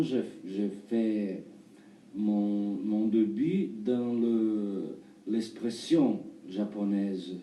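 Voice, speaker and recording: A man in his thirties from Brazil answers interview questions in halting, imperfect French with a Brazilian accent. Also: on the low side, mellow. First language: Portuguese. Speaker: actor and performer being interviewed. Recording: roomy, distant mic, faint noise.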